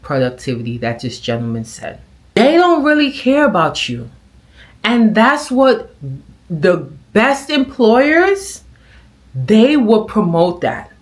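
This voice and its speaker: A middle-aged woman talks straight to her viewers in a casual vlog. She comments on clips in an animated way and acts out the people in her stories. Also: mid-range voice, slow pace. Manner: animated storytelling with acted quotes. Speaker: vlogger.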